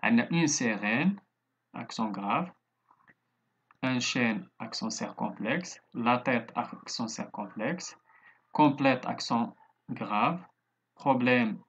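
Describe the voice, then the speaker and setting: A man's voice: mid-range voice, a little fast, pauses often, slightly rough, dull audio. A man with a Moroccan Arabic accent teaching a recorded online lesson, going through words one by one. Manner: steady explaining, spelling out word after word.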